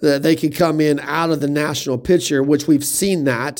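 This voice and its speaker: With a slight Oklahoma accent, a man speaks at a moderate pace in a fairly high, flat monotone. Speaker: college football podcast host. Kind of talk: solo sports analysis podcast. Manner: conversational, with fillers and repetitions.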